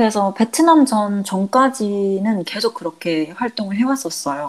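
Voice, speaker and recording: A woman's very slow speech with lively intonation. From South Korea and United States. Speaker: podcast co-host. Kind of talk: casual chat. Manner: halting.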